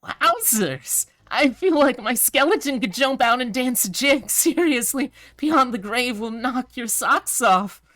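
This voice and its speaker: A woman's voice: sits high, lively intonation, measured pace, few pauses, fairly bright tone, no echo, soft background music, voice pushed up. A woman voicing a jittery, eager male mothman co-host in a visual novel game, nervously chipper. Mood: manic cheer.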